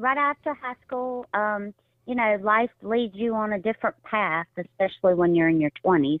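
A woman talks in an ordinary speaking voice. Her pace is moderate and her intonation lively. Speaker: army veteran, food truck owner. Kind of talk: casual chat.

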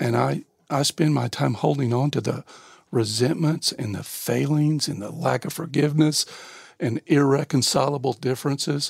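A man's fairly high pitch with vocal fry, ordinary pitch variation and a moderate pace. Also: dry, close sound with no echo. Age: 60s. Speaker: real estate developer and lay minister. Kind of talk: casual interview about faith. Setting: studio.

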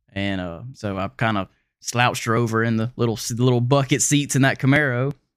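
With an American accent and a plain, everyday voice, a man talks at a fairly quick pace using ordinary pitch variation. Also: medium pitch for a man, very clean recording, silent background. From US South, Florida panhandle. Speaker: Navy veteran. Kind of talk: casual chat.

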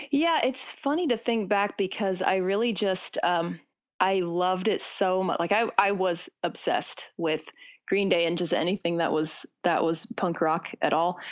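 A woman with an ordinary speaking voice and an American accent talks at a fairly slow pace and medium pitch, with ordinary pitch variation and very even loudness. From Central California. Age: 30s. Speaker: punk singer. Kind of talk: casual interview. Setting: phone call.

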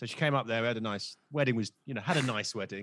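On a very clean recording with a silent background, a man with a British accent talks at a fairly quick pace, medium pitch and ordinary pitch variation. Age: 30s. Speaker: comedian. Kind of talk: casual chat.

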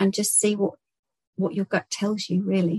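At a moderate pace, a woman speaks with a somewhat breathy voice at medium pitch and fairly even intonation. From UK. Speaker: therapist. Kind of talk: interview.

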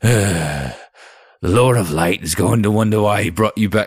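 A man's put-on character voice, menacing in tone and fairly low in pitch, at a moderate pace. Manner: menacing, gruff.

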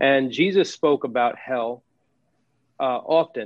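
In a New York accent, a man speaks at a moderate pace. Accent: New York area. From New Jersey / Brooklyn. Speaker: seminary student, co-host of a Bible podcast. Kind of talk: interview conversation.

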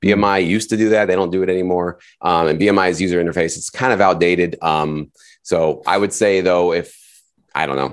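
Speaking at a fairly quick pace, a man with a very deep, low pitch keeps his intonation fairly even. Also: quiet background. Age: 30s. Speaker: sync licensing educator and music producer. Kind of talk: interview.

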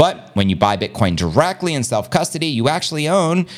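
A man's fairly high voice in an American accent, with very wide pitch swings and vocal fry. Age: 40s. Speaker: crypto news youtuber. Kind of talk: news commentary monologue. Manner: casual, slangy.

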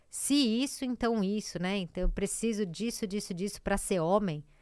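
This woman has an ordinary speaking voice, pitched in the medium range with ordinary pitch variation. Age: 40s. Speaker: psychologist. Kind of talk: casual chat.

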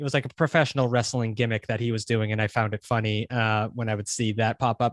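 Over a quiet background, a man with an American accent uses an unremarkable speaking voice at medium pitch, his intonation fairly even. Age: 30s. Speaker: satire website co-founder and editor. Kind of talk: casual chat. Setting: video call.

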